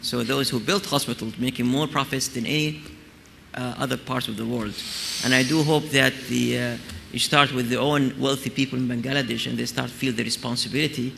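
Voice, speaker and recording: A man's voice: mid-range voice, steady tone, fairly quick, sharp tone. A man giving an earnest, articulate, unscripted answer as a panelist at a conference. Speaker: conference panelist, healthcare executive. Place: large conference hall. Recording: very echoey hall, clear background noise.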